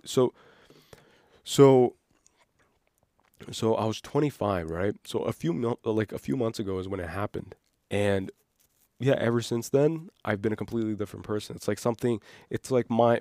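A man's voice: on the low side, warm tone, dry recording, studio quality. A man in his twenties hosting an unscripted podcast, talking in a rambling, reflective way with frequent fillers. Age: 20s. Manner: rambling and reflective, heavy use of "like". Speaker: podcast host.

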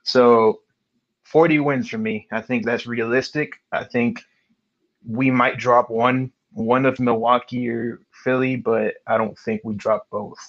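Excitable man on a dull, lo-fi recording. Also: medium pitch, unhurried. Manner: excitable, slangy. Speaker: podcast host. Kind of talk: casual sports chat. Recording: dull lo-fi sound.

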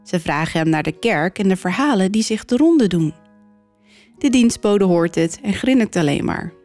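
A woman podcast host narrating a folk tale in a clear, steady storytelling manner. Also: medium pitch, normal speed, soft background music.

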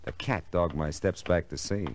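In an old radio detective drama, a man plays a hard-boiled, wisecracking private eye, narrating and needling people in a wry, laconic, world-weary way. His voice sits low, with a natural delivery at normal speed. The old recording carries a music underscore and slight background noise.

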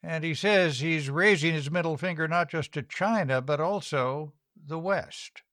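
A man's voice: fairly high pitch, a little slow, fairly bright tone, dry recording, clean studio sound. Man reading radio news. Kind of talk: scripted radio news narration.

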